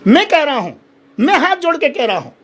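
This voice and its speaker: A man's voice: extremely high pitch, very animated, a little fast, a bit bright. A man, a Hindu holy man appearing as a guest in a heated television debate, who speaks in an impassioned, pleading way and keeps repeating himself.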